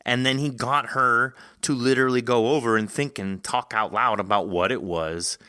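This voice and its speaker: A man's voice: mid-range voice, fairly even intonation, moderate pace, pushed and bright, smooth, no room sound, studio quality. A man hosting a podcast, thinking aloud with enthusiasm as he casually discusses a story with a guest. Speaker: podcast host interviewing an author.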